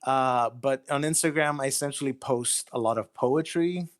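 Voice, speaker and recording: A man from Greece speaks as a guest writer in a relaxed interview. His middle-pitched voice comes with a hesitant, self-deprecating manner. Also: normal speed. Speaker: guest writer of audio horror stories. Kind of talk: casual interview chat.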